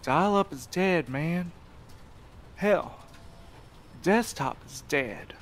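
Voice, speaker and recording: A man's voice: a little high, lively intonation, extremely slow, slight background noise. A man playing a jaded, slangy internet cafe owner in an audio drama, with a brash, casual way of talking. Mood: brash, cynical. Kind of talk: naturalistic audio drama acting.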